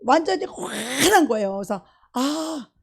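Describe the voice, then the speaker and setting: High, gravelly-voiced woman preaching. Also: sing-song, a little slow. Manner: emphatic, acts out her own past prayers and inner debate; shouts out praise in rising bursts. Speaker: pastor. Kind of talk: testimony sermon.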